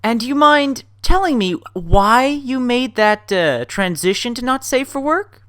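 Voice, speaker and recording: A woman interviewing a guest, asking questions in a sympathetic, expressive way. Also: a little high, unhurried, dry recording, studio quality.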